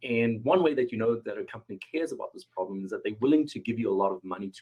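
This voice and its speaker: With a South African accent, a man talks at a very fast pace with hardly any pauses, his loudness swinging widely. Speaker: marketing professor. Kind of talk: podcast interview.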